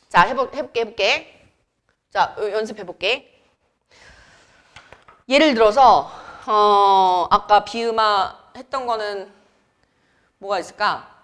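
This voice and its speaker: A young woman teaching a grammar lesson to students in a chatty way, quizzing them with quick questions. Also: a little high, fairly bright tone. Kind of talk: classroom lecture.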